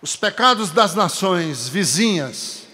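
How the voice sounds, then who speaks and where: A man from Brazil with a Brazilian Portuguese accent, preaching a sermon emphatically, building to forceful peaks and breaking into chatty asides to the congregation. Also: sits high, expressive, takes it slowly, in a large hall.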